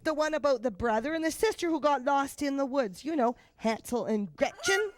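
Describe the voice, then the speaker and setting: A woman's voice: high voice, lively intonation, normal speed, no echo, soft background music. A woman voicing a bossy, exasperated childish puppet who corrects others in a children's puppet show, emphatic and insistent. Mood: eager, muddled.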